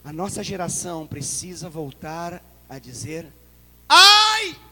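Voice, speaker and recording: Brazilian man, pastor, sermon; dramatic and playful, bright ringing tone, long church reverb. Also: high-pitched, lively intonation, a little fast. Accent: Brazilian Portuguese. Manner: dramatic, bursts into loud cries, jokes with the congregation. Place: church sanctuary.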